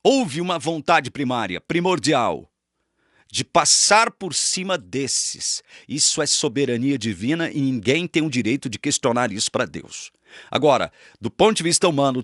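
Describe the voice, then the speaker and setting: A man preaching Reformed doctrine with strong emphasis, repeating key phrases. His pitch rises and falls widely from line to line. The sound is dry and close, with no room echo. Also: big pitch swings, normal speed, a bit bright. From Brazil. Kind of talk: doctrinal teaching talk.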